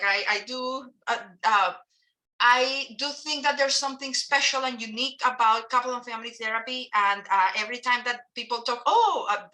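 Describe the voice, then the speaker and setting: A woman's voice: on the high side, bright, forceful tone, rough recording. A woman from Colombia with a Colombian Spanish accent, Spanish her first language, giving a lecture as a family therapist and hesitating with frequent fillers and restarts. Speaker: couple and family therapist presenting a training. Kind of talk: lecture presentation to an audience.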